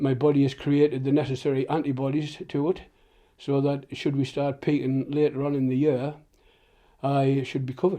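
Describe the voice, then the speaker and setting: In a North East England accent, the voice sounds dark and mellow. Delivery is at a moderate pace with monotone, flat intonation. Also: man. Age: 70s. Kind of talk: interview answer.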